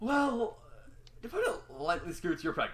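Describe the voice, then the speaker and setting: A man puts on a character voice at an extremely high pitch, speaking at a moderate pace. Light background noise can be heard. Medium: read story. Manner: hesitant, nervous.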